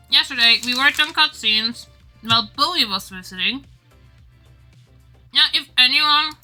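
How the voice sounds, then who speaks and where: A woman's voice: medium pitch, sharp tone. A woman livestreamer chatting casually with her viewers in a rambling, exclamatory way. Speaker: livestreamer and game developer.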